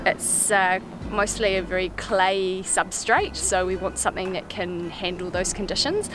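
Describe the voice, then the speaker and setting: A woman landscape designer talks through planting choices haltingly, with plenty of ums. She is recorded outdoors, and a clear music bed plays under her voice. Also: medium pitch, poor audio. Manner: hesitant, filler-heavy. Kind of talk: explaining plans. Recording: music over outdoor audio.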